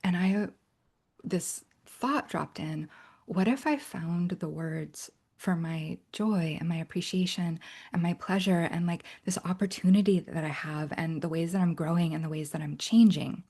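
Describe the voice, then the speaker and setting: A middle-aged woman coach leading an online workshop, earnest and personal, often checking in with "right?" and slipping into soft whispery asides. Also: lowish voice, measured pace, slightly rough. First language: English.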